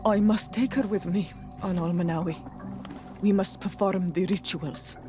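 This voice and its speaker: A woman's voice: medium pitch, steady tone, normal speed, over music, close to an everyday voice. A woman acting a proud, passionate young tribal princess, solemn and direct, in a video game. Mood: solemn, determined.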